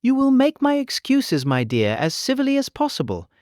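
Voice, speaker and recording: An actor playing a fretful, gentle elderly gentleman, fussy and plaintive, in a period comedy audiobook. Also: very high voice, huge pitch swings, normal speed, no room sound, studio quality, exaggerated voice. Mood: fussy, courteous. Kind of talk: audiobook character acting, period comedy of manners.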